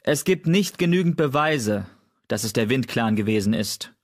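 A man's voice: mid-range voice, lively intonation, moderate pace. A man voicing a stern male cat who leads his clan and gives orders in an audiobook. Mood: commanding. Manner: commanding, growled.

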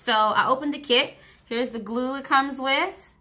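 A young woman casually talking through a home nail tutorial while she works at a table, thinking out loud and poking fun at herself. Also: high voice, unhurried. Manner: chatty, self-deprecating, thinking aloud while working. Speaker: beauty vlogger.

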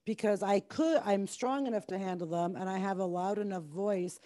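A woman's voice: mid-range voice, moderate pace, mellow. A middle-aged woman hosting a video call interview, speaking candidly and swearing casually. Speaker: host.

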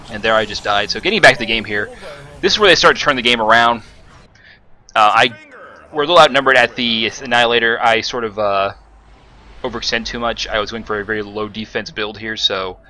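A man's voice: mid-range voice, bright, forceful tone. A man giving casual, rambling commentary over his own gameplay footage, with many fillers and restarts. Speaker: gaming commentator.

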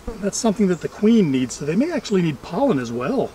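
A middle-aged man with a notably high voice talks casually through his work as a beekeeping host. He is chatty and dryly humorous. The recording is outdoors, with faint insect noise behind him. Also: very animated, fast talker, warm tone. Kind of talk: casual running commentary while working. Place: outdoors among trees at beehives.

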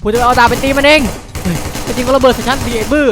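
A man improvising dramatic game roleplay, excitable, repeating words rapidly and shouting warnings. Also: very high voice. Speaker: player acting in a Minecraft roleplay cartoon. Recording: loud background music. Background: music.

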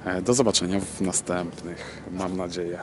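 Very deep-voiced man, halting vlog talk. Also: steady tone, noisy background. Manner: hesitant, halting, searching for words. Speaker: video host. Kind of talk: casual vlog talk to camera. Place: large empty cinema auditorium, indoors. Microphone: camera at arm's length.

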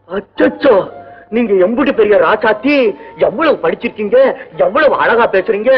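A high-voiced naive village simpleton. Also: male voice, husky. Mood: fretful. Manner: rustic colloquial speech, comic boasting, exclaiming. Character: simple-minded village cowherd husband, boastful, naive. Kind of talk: 1960s film acting. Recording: dull old film soundtrack with music.

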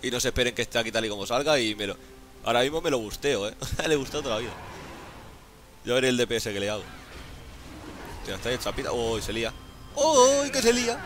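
A man giving excited gameplay commentary as a streamer, exclaiming, laughing and swearing often. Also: mid-range voice, fast talker, long pauses, slight background noise. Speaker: gaming streamer.

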